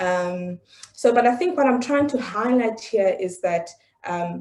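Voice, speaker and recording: In a South African accent, a woman speaks at a fairly slow pace with lively intonation and a fairly high pitch. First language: isiXhosa. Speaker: education researcher. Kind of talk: conference presentation. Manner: halting, many fillers.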